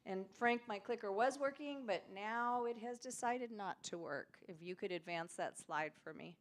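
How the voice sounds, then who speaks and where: A woman's voice: mid-range voice, moderate pace. A woman hosting a spiritual center service. Her voice is slightly scratchy after an illness, and she is chatty and upbeat. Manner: chatty and upbeat, with small laughs. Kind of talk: leading a church service, welcoming and announcing.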